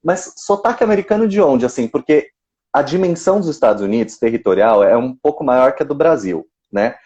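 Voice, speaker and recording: A Brazilian man with a Brazilian accent hosts a live-stream interview as an English teacher. His voice is dark and mellow at a middle pitch, and he fires off deliberately provocative questions in a playful way. The stream audio is dull and lo-fi. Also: lively intonation.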